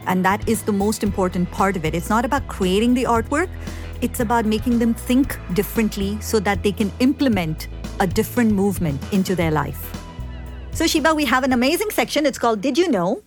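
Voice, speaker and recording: A woman whose first language is Sindhi, hosting an interview with eager, upbeat praise. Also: mid-range voice. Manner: enthusiastic, quick to praise. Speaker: podcast host.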